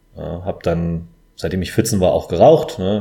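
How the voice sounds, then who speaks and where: The voice has a dark, mellow tone. It sounds somewhat breathy. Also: man. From Hesse, Germany (Hofheim). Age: 30s. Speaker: amateur triathlete, IT worker. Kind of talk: interview. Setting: studio, sitting across from host.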